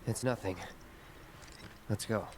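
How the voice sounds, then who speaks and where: An actor playing a stoic, aloof young mercenary in a video game, terse and deadpan. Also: male voice, on the low side, takes it slowly. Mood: cool, reserved. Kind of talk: understated video game voice acting. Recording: loud game noise behind voice.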